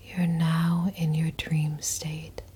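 A woman whispers throughout, her voice airy and breathy with almost no tone behind it. She speaks very slowly and keeps her pitch low and nearly flat. Her sound is soft and dark, suited to a hushed ASMR roleplay. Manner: slow, hushed, intimate whispering. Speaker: audio performer.

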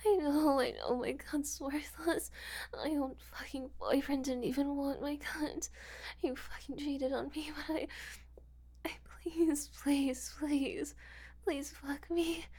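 A woman playing a desperate, submissive woman in an adult audio drama, pleading haltingly with breathy, whispered words. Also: high voice, darkish tone.

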